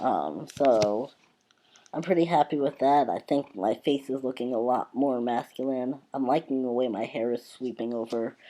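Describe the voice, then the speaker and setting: A man speaks with a dark, mellow tone at a medium pitch. His pitch varies in an ordinary way. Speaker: transgender vlogger. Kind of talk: casual video diary update. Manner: deliberately slowed speech.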